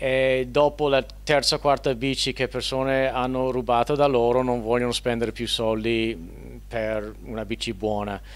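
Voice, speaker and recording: A man with an English accent, speaking at a fairly slow pace. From US Northeast, Poughkeepsie, New York; New York. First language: English (speaking Italian). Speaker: bicycle shop owner and designer. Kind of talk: interview. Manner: halting, many restarts. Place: workshop. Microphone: handheld.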